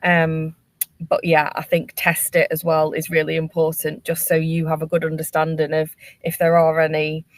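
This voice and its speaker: A woman's voice: sits low, completely flat delivery, moderate pace, no echo. A woman workspace operator explaining her views as a webinar panellist.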